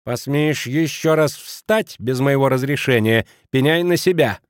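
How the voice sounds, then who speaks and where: Man voicing a menacing wife, low quiet hiss, slow threat. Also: smooth, no room sound, studio quality, natural voice. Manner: hissing, cold, threatening. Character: stout domineering wife, menacing, icy.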